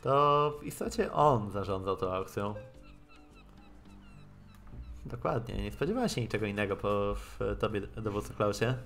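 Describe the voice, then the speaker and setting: A man with a fairly low voice streams a visual novel. He reads the lines aloud haltingly, mixing in offhand commentary, with game music playing behind him. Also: animated, a bit bright.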